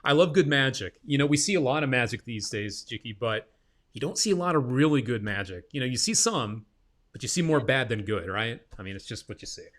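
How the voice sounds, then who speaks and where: A man's voice: mid-range voice, expressive, a little fast, fairly bright tone. A man hosting a casual interview, talking in an informal, effusive and slangy way. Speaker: interviewer, show host.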